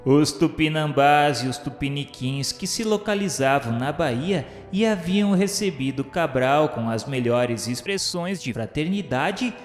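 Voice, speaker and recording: A man with a Brazilian accent reading a solemn radio drama narration in a measured, grandiloquent way. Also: mid-range voice. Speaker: narrator of a religious radio novela. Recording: reverberant hall echo, music underneath. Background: background music.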